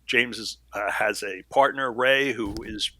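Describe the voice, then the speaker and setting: A man's voice: fairly low pitch, measured pace, sharp tone. A man speaking as an interview guest, off-the-cuff and teasing. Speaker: guest, series creator and writer. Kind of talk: casual interview chat.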